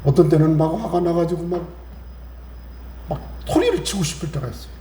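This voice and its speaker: A man preaching a Sunday sermon in a conversational tone, voice pitched a bit high yet soft and mellow. He quotes scripture and slips into little acted-out exchanges. The sound is roomy and echoey with a faint hiss behind it. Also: a little fast. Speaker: pastor.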